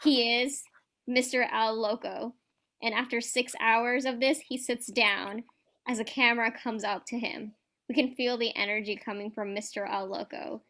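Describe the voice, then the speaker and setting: Woman, fairly high pitch, crisp bright tone, scripted narration, staged reading. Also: fairly even intonation, moderate pace.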